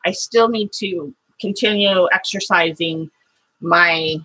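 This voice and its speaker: A middle-aged woman hosting a live watercolor painting stream, chatting with viewers between steps in a loud, halting way full of fillers. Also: lowish voice, breathy edge, poor audio. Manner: loud voice by her own account, halting with fillers and restarts. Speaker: watercolor livestream host.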